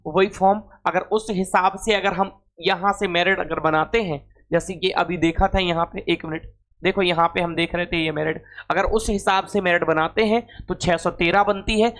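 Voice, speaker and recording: A man with a high, fairly bright voice runs an informal exam-prep class. He repeats phrases and poses questions that he then answers himself.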